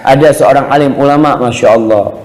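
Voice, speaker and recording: A man preaching a sermon to a congregation in an animated way, often slipping into voices when he quotes people. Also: medium pitch, a little fast. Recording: echoey hall with long reverb.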